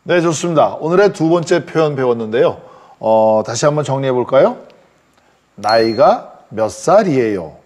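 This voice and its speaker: Male language teacher, forties, patient and deliberate, mid-pitched. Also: expressive, darkish tone. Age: 40s. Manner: patient, explains slowly with many restarts. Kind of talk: classroom instruction.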